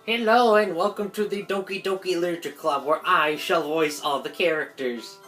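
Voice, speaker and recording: A video creator voices a visual novel in an amateur read-aloud, adding asides, tripping over lines and correcting herself. Her voice is lowish and fairly bright, at a normal speed, with faint music behind her.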